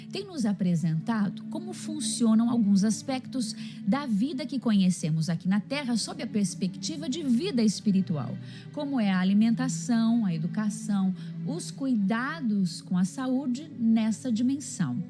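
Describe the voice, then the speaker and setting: A Brazilian woman hosting a religious programme, speaking in a measured, formal, courteous way as she presents and reads out questions. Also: on the high side. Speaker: programme host.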